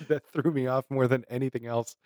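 A man's voice: mid-range voice, a little mellow, no echo, clean studio sound. Laughing, rambling podcast co-host man. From Massachusetts. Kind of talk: casual chat.

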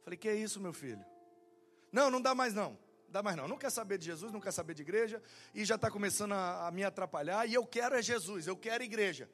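A young pastor preaches a sermon through storytelling, speaking fast in a high-pitched voice with faint music behind him. He is animated, acting out the story's dialogue as quoted lines.

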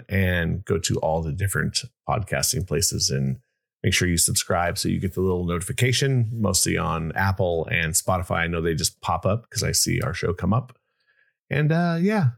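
A man's voice: sits low, creaky. A man hosting a podcast in casual chat, rambling with many restarts and fillers. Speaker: podcast host.

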